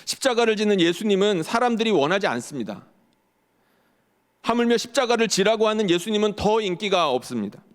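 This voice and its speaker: A fairly high-voiced man preaches a Sunday sermon from the pulpit, pressing his point with rhetorical questions. His voice rings out with a long reverberant tail in a church sanctuary. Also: sing-song, fairly quick. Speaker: pastor.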